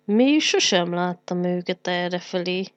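A woman voicing a small, fretful kufli creature in a storybook, with raised, loud exclamations. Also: fairly low pitch, expressive, smooth, no echo, natural voice.

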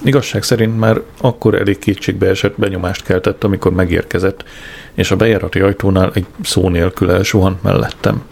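Casting: deep, gravelly man, deadpan audiobook narrator. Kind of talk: scripted narration of a comic diary.

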